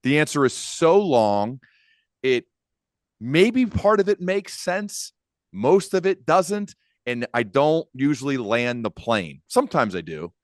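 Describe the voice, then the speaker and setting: A man's voice: medium pitch, big pitch swings, slow pace, no room sound, studio quality. A man in his thirties hosting a podcast, talking casually and informally. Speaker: podcast host. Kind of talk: casual interview chat. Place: dim home studio. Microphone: large microphone close to mouth.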